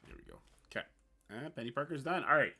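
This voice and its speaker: A man from Newfoundland with a Newfoundland accent, hosting a casual livestream. He reads on-screen text aloud haltingly and chats with his viewers. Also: mid-range voice, expressive, sharp tone, husky. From Newfoundland, Canada. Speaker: livestream host.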